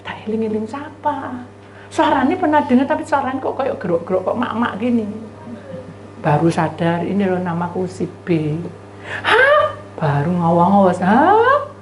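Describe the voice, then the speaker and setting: A middle-aged woman pastor, telling a chatty, animated story in a sermon and acting out both sides of the dialogue. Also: fairly high pitch, normal speed, roomy sound, background noise. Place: church.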